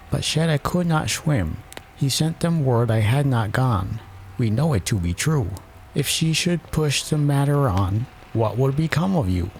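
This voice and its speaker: A man's voice: medium pitch, darkish tone, slight background noise, voice pushed up, poor audio. A man voicing a polite, flustered white rabbit court herald in a storybook reading. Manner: respectful, hurried.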